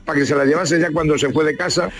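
An older man with a slightly raised pitch chats as a radio interview guest, with some music in the recording. He is colloquial and jokey, telling anecdotes and repeating words for emphasis. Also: steady tone, fast, a bit bright. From La Mancha, Spain.

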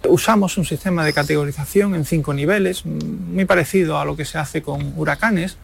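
A man's voice: a little high, a little fast, vocal fry, slight background noise. A man explaining a technical system in a recorded interview clip. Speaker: expert interviewee.

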